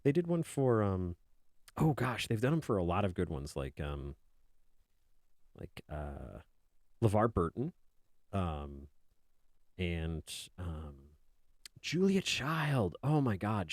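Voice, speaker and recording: A low-voiced man talking casually while he draws on a live stream. His voice is soothing and soft-spoken, and he rambles with lots of little fillers. His pitch rises and falls freely, and the sound is close and dry. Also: dry recording. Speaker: artist streamer.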